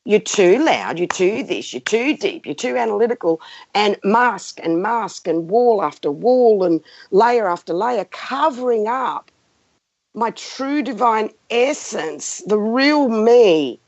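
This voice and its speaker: This woman in her fifties, from a Greek background, is a spiritual guide hosting a live session, and her medium-pitched voice is expressive and slow. Unscripted and passionate, she speaks emphatically, repeating phrases as she guides her listeners. The recording is muffled and roomy, with a lo-fi quality.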